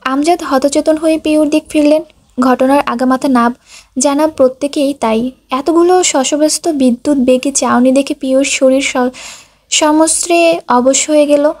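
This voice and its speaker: A woman narrates a romance audiobook in a high voice. Her tone is mellow and warm. She reads every character's lines in her own voice. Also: steady tone, a little slow.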